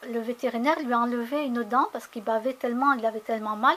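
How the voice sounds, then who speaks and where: Talking at a very fast pace, a woman keeps a high pitch and fairly even intonation. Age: 40s. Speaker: vlogger. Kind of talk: casual chat.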